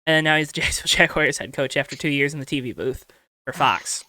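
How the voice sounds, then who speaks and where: A young man hosting a casual podcast, with a high-pitched voice, chatty and rambling with fillers. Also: fast talker, pushed and bright, no room sound. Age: young adult. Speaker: podcast host.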